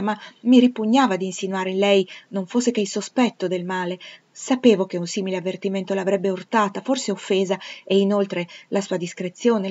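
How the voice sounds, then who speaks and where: A cautious old housekeeper gives careful, earnest counsel, read by a woman. Her tone stays measured and a touch sceptical, with steady emphasis. The recording sounds slightly muffled. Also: medium pitch, lightly acted.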